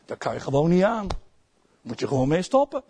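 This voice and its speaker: A middle-aged Dutch-accented man preaching with a lot of life. His voice sits high, and he moves from soft, quiet asides to loud, emphatic outbursts. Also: sing-song, fairly quick, vocal fry, breathy edge. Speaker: pastor. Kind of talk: sermon.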